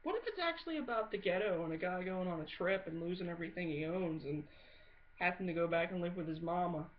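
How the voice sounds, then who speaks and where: A woman's voice: lowish voice, animated, quick pace. A woman giving a casual, comedic video-blog monologue in a blunt, sweary, sarcastic way. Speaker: amateur video blogger. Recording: muffled audio with clear background noise.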